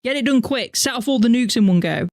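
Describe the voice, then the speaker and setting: A woman streamer giving casual, animated reaction commentary with expressive exclamations. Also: fairly high pitch, quick pace, no echo.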